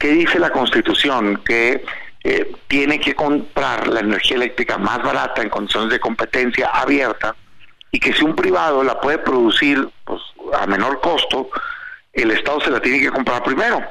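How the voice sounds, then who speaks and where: Over noticeable background noise, a man talks at a moderate pace with very even loudness. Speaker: senator. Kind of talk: radio interview.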